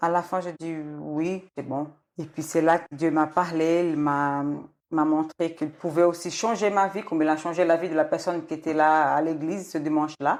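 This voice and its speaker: A woman in a Portuguese accent at a moderate pace with ordinary pitch variation, on a very clean recording with a silent background. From Brazil, northeast (Recife). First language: Portuguese (speaking French). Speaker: churchgoer giving faith testimony. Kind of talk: testimony interview. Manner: hesitant, many fillers.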